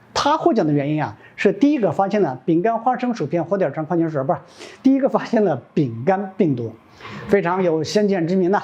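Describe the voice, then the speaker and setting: With a high pitch and very wide pitch swings, a man talks at a fairly quick pace. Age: 40s. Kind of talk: science video narration.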